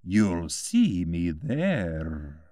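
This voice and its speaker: Man doing a mad grinning cat, very slow, drawling, teasing, low-to-middling pitch, storybook. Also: huge pitch swings, warm tone, dry recording, exaggerated voice. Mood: sly, languid. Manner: slow, drawn-out, teasing delivery. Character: languid, mad, grinning male Cheshire Cat.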